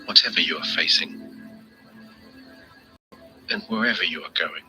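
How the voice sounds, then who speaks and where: A man with a very deep voice narrates a guided sleep hypnosis script. His delivery is soft, breathy and soothing, with measured pauses between phrases. The tone has a very bright, sibilant edge, and music plays faintly behind him. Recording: music bed under the voice.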